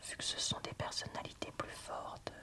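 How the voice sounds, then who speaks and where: A woman whispering an ASMR book review in a soft, breathy, informal and slightly hesitant way. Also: moderate pace.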